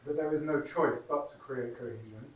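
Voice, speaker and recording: A man's voice: mid-range voice, moderate pace. A man hosting a panel, polite and tentative as he asks his questions. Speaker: host. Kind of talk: panel moderation. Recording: echoey, distant from the mic.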